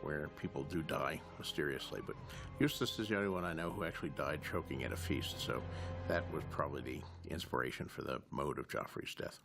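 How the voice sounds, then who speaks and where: A man's voice: a bass voice, fairly quick, vocal fry. A man recounting history as a commentator in a documentary interview. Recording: loud music bed behind voice.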